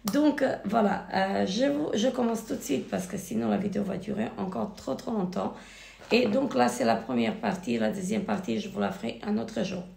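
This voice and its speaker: A woman with a cold and a hoarse voice, hesitantly reviewing finished beauty products in a casual vlog. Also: mid-range voice, warm tone. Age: married adult. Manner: hesitant, many fillers and restarts. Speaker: beauty vlogger. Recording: echoey room.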